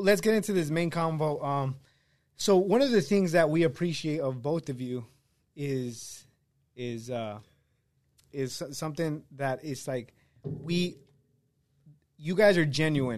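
Long, frequent pauses break up a man's fairly high voice, which has lively intonation. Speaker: podcast host, presbyterian. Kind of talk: casual podcast conversation.

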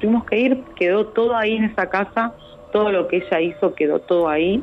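A woman talks at a fairly quick pace with ordinary pitch variation, and noticeable background noise can be heard. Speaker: reality TV personality and former politician. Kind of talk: interview, telling a personal story.

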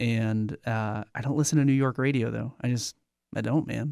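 A man with an American accent has an ordinary speaking voice at a medium pitch and a moderate pace. His intonation is fairly even, in a very clean recording with a silent background. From Kansas. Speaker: pastor and radio worker. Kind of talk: casual chat.

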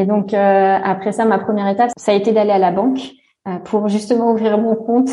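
A woman talks at a moderate pace in a fairly high pitch with a dark, mellow tone. Her delivery is somewhat breathy, with monotone, flat intonation. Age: 20s. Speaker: traveller telling her story. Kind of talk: personal travel testimony. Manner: hesitant, many fillers and repetitions.

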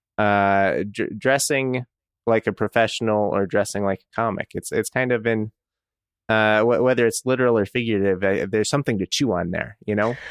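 A man with a normal speaking voice talks at a fairly quick pace in a fairly low pitch, with fairly even intonation. The sound is dry and close, with no echo. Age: 20s. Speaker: podcast co-host. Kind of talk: casual banter.

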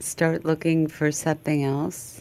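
The voice moves at a very slow pace with a dark, mellow tone. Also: woman. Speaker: medium and psychic reader. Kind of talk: radio interview, casual chat. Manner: slow, deliberate talker.

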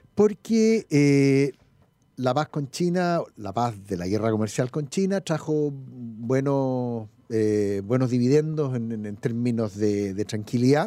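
A man with a Chilean accent, a medium pitch, a dark, mellow tone, lively intonation and a very slow pace. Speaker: financial market commentator. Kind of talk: casual chat.

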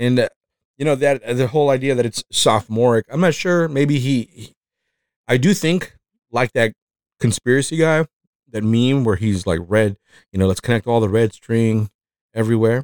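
Recorded very cleanly with a silent background and a dry, close sound with no echo, a man with a Mexican accent and medium pitch speaks at a moderate pace, with ordinary pitch variation and long, frequent pauses. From Mexico. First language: Spanish. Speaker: podcast host. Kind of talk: casual chat.

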